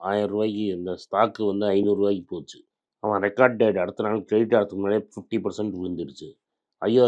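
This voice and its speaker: Gravelly low-voiced guy from tamil nadu lecturing on money, blunt and scolding, kinda dull lo-fi sound. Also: warm tone. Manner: blunt, scolding, mixes English words into Tamil. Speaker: finance commentator. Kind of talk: motivational talk on investing.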